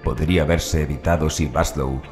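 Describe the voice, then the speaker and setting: A man reading a horror audiobook as narrator in a measured, phrase-by-phrase manner. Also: rumbling low, steady tone, a little mellow, soft background music.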